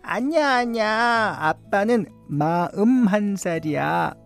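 A man's voice: high-pitched, expressive, creaky, soft background music, voice pushed up, full character voice. A man putting on a proud little girl's voice. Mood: insistent. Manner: slow, drawn-out childlike speech. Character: little four-year-old girl, bossy and proud. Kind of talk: read-aloud story on radio.

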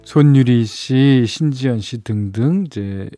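Slow and dark-toned at a medium pitch, this middle-aged radio host reads listener messages in a relaxed, chatty way. He laughs often and fills pauses heavily. His studio microphone yields dry studio sound, though faint music can be heard behind him.

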